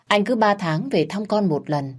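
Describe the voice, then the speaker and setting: A woman narrating a family drama in a gentle, sympathetic storytelling manner. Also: medium pitch, lively intonation, moderate pace, breathy edge. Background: faint music.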